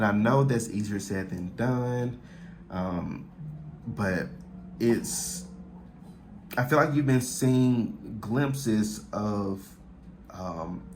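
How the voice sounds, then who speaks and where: Speech at a very slow pace with long, frequent pauses and ordinary pitch variation, carrying audible room echo. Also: man, fairly low pitch for a man. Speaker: tarot card reader. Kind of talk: tarot reading monologue. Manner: hesitant, many fillers.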